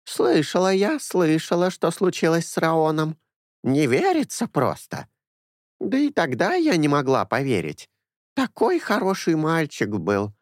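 A man's voice: a little high, wildly swooping pitch, a little slow, dry recording, studio quality, voice pushed up. A man voicing a talkative old woman in her sixties, a former caretaker who rambles fondly and confidingly.

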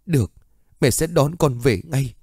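A man's voice: mid-range voice, a little slow, darkish tone, husky, dry recording, studio quality. Man playing a tearful old mother. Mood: emotional. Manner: emotional, fervent.

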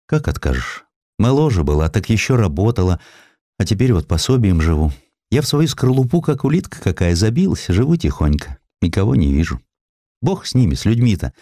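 A man's voice: fairly low pitch, very animated, fairly quick, dark tone, no room sound, clean studio sound. A man voicing a frail, humble, pious elderly widow with folksy old-fashioned speech in an audiobook. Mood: resigned, plaintive.

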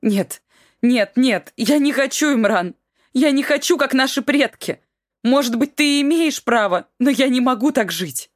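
A woman's voice: on the high side, brisk, no room sound, studio quality, voice pushed up, lightly acted. A woman voicing a heartbroken middle-aged wife who cries and pleads in a raised voice. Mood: distraught.

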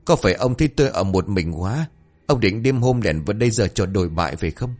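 A man voicing a suspicious old village woman who scolds and threatens loudly. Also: fairly low pitch, expressive, quick pace. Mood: scolding.

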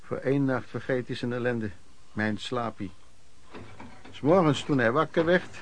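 An actor playing an earnest, aghast storyteller narrating lodging-house memories in a radio play. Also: male voice, medium pitch, normal speed, close to an everyday voice. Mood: sombre. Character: male storyteller recalling lodging-house misery, shocked and earnest. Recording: crowd noise behind the voice.

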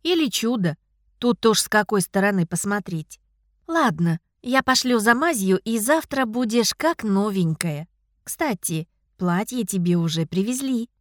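Woman putting on a gentle, patient mother. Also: medium pitch, animated, a little slow, dry recording, clean studio sound, natural voice. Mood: tender. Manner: soft, affectionate, sighing. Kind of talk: audiobook character voice.

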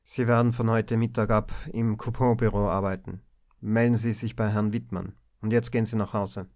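A gruff older bank director in an audiobook, as the man reading voices him, clipped and commanding with a firm middle-pitched voice. the sound is dull and lo-fi. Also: fairly even intonation, normal speed, a little mellow, lightly acted. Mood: curt. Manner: curt commanding tone. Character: gruff older male bank director, stern but fatherly. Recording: dull lo-fi recording.

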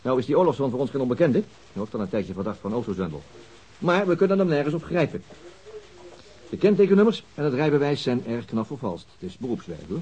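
An actor playing a brisk, matter-of-fact police detective who explains cases to colleagues in a radio drama. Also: male voice, mid-range voice, big pitch swings, darkish tone, husky, muffled recording. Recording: faint hiss.

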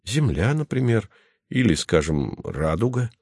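A man's voice: on the low side, sing-song, measured pace, gravelly, a little mellow, breathy edge, no echo, clean studio sound, heavily acted. A man reading the part of a famous, playful starship pilot who is teasing and easily offended, in an audiobook. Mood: capricious. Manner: whimsical, teasing, lightly offended.

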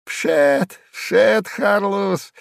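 A squeaky, chattering old hanger-on, jeering in a high, sing-song cackle. Gravelly grit runs under the shrill tone, and the storybook reading sounds close and dry. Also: male voice, drawn-out words, no room sound, heavily acted. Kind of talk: audiobook character voice.

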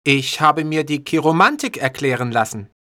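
A man's voice: a little high, lively intonation, moderate pace, bright, forceful tone. A man voicing a clever, defiant schoolboy in an audiobook story, blunt and cheeky. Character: clever defiant schoolboy, bold and sharp-tongued.

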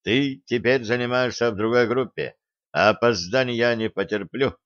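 A man's voice: medium pitch, moderate pace, a bit bright, no room sound, dull audio, close to an everyday voice. A man voicing a strict male karate sensei who speaks curtly and commandingly. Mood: stern. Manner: curt, commanding.

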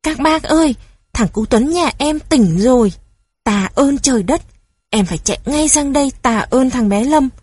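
A woman doing an excited, grateful neighbor woman. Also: sits high, moderate pace, breathy edge, no room sound, voice pushed up. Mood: overjoyed. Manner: effusive, thankful exclamations.

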